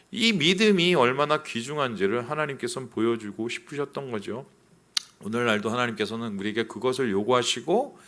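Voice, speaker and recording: A man's voice: mid-range voice, sharp tone. A man, a pastor, preaching a sermon in a church, asking his congregation questions and acting out complaints. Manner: acts out quoted complaints in a raised voice. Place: church sanctuary.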